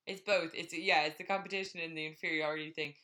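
Bright-voiced young woman, self-mocking chat. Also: low voice, steady tone, quick pace. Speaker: podcast co-host. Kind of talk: casual chat.

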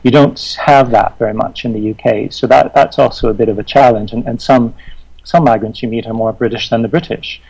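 A man from Western Canada, talking reflectively in conversation, thoughtful and halting with many restarts. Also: mid-range voice, fairly even intonation, creaky, darkish tone, husky, rough recording.

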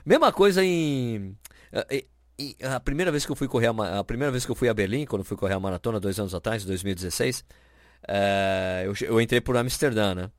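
A podcast host with a Brazilian Portuguese accent tells anecdotes in casual chat, animatedly acting out the people he quotes. His lowish voice moves briskly, recorded cleanly and dry in a studio.

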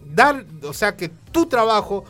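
A man talks through the news as a podcast co-host. His voice sits fairly high for a man, and he rambles, restarting and hunting for words. Faint music runs underneath. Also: very animated, measured pace, fairly bright tone. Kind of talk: casual news chat.

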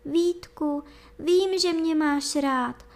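A woman voicing a pale, sorrowful young princess, speaking high, soft and pleading in a storybook reading. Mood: tearful pleading.

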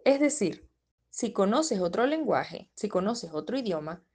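A woman's voice: medium pitch, sing-song, unhurried, darkish tone, husky. A woman presenter explaining a topic in a methodical way, often restating her key terms. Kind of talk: explanatory talk.

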